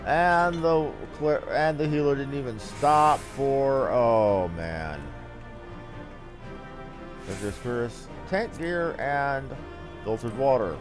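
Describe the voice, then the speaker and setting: A man's voice: mid-range voice, expressive, slow pace. A man giving casual, folksy live commentary as he streams a game, swearing now and then. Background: video game music.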